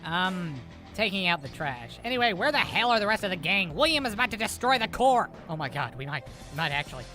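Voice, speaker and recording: A man plays a nerdy cartoon boy leader under constant stress. His fretful, exasperated delivery leaps around in pitch over clear background music. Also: very animated, fast. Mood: harried. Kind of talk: cartoon parody dub. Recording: music behind the voice.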